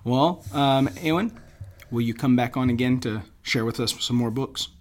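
A man hosting a podcast, talking casually and haltingly, with frequent pauses as he recommends books. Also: medium pitch. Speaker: podcast host.

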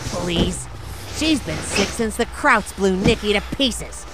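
A woman's voice: medium pitch, expressive, takes it slowly, background noise. A woman playing a defiant, wisecracking teenage boy thief in a roleplayed audio drama. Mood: insolent. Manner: wisecracking, insolent, slangy.

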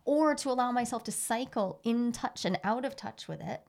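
A woman in casual conversation, animated, explaining ideas and often restarting her sentences. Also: on the high side, normal speed, vocal fry.

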